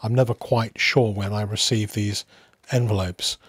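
A man's voice: fairly low pitch, steady tone, normal speed, breathy edge, dry recording. Man musing casually, dry close sound. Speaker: host of a coin collecting channel. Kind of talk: casual unscripted video narration.

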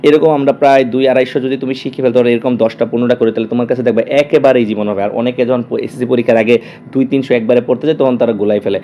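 A man teaching an exam-prep grammar lesson, repeating each term and often asking if it is clear. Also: medium pitch, fairly even intonation, racing, dark tone, lo-fi sound.

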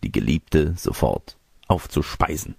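A man's voice: mid-range voice, big pitch swings, moderate pace, gravelly, darkish tone, husky, dry recording, clean studio sound, voice pushed up, full character voice. A man voicing a lecherous wolf-sorcerer who poses as a grandmother in a storybook tale, by turns testy, wheedling and smug. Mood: self-satisfied. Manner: wheedling, boastful, crude. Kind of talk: storybook character reading.

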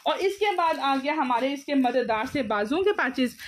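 High-pitched Pakistani woman, overeager sales pitch. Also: lively intonation, normal speed, slight background noise. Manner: overeager, repetitive, exclamatory pitching. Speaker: live online clothing seller. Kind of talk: live teleshopping sales pitch.

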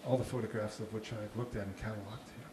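A Boston-accented park ranger gives an informal talk with audience questions, using a handheld mic in a small, dark meeting room with a slide screen. His voice is fairly low and steady, and he talks fast, chatty with frequent restarts and dry jokes, over a crowd in the background. The room is echoey and there's faint noise.

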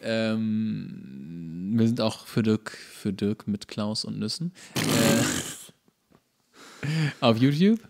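A man co-hosting a casual podcast, signing off in a relaxed, mumbling way with fillers. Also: fairly low pitch, extremely slow, creaky, pauses often. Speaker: podcast co-host.

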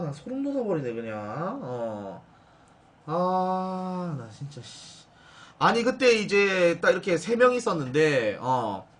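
A man hosting a casual livestream, talking loudly to his viewers, joking and ranting with sarcastic asides. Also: high-pitched. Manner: loud, jokey, addresses viewers and donors as big brother. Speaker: livestream host.

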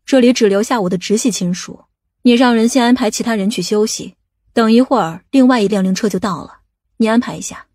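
Woman acting a bossy practical family aunt in an audiobook, brisk, slightly husky. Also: fairly high pitch, a little mellow, lightly acted. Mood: instructing. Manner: brisk, instructing.

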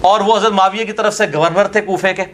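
Male religious scholar, Pakistani Urdu accent, high voice, emphatic and scornful in debate. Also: steady tone, fast talker. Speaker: religious scholar answering questions. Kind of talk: polemical Q&A lecture. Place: academy lecture hall.

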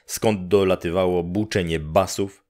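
A man narrating a classic story for an audiobook in a calm, measured storytelling manner. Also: sits low.

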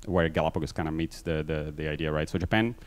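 A man with a low voice and a Brazilian accent, mixed from living in many countries, speaks into a handheld mic on a large conference stage. He talks fast and loose, with constant fillers and self-deprecating asides. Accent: Brazilian Portuguese mixed. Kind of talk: conference talk.

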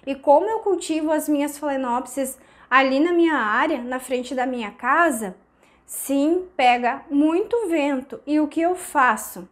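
A woman, hoarse from a cold, chatting to camera and explaining orchid care with hand gestures, on a lapel mic in a small indoor room. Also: sits high. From southern Brazil. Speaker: orchid-growing channel host. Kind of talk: casual tutorial talk to camera.

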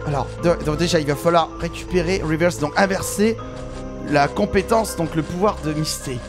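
A man giving excitable, exclamatory let's play commentary as a gaming YouTuber, often shouting with excitement. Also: fairly high pitch, moderate pace. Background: game music.

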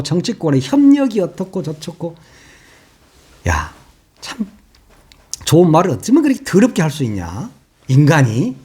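Furious high-pitched husky male commentator. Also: mellow. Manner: heated, insulting, full of rhetorical questions. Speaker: political YouTube commentator. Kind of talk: angry political commentary.

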